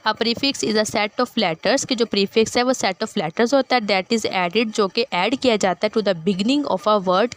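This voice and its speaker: A young woman explains a textbook lesson to her students, with a voice a little higher than most. She is patient, repeats each term, and reads English definitions before explaining them. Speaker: English teacher.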